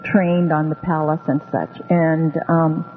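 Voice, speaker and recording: A low-voiced woman from Hawaii, whose first language is Hawaiian, tells a story in a level tone as a guest on a relaxed radio interview. She meanders unhurriedly with many ums. The sound is narrow and phone-like, with a long echoing reverb and faint music behind her.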